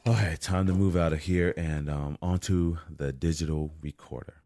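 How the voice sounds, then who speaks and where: A man's voice: deep voice, fairly even intonation, moderate pace, mellow. An actor playing a weary, wry, street-smart man surviving a deadly night, muttering and sighing through an audio drama monologue. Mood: wry, confiding.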